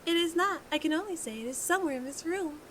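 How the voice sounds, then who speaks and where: High-voiced, unflappable female AI assistant. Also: fast talker, a little hiss or hum. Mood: polite, helpful. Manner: formal, literal, calm, helpful. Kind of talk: sci-fi audio drama acting.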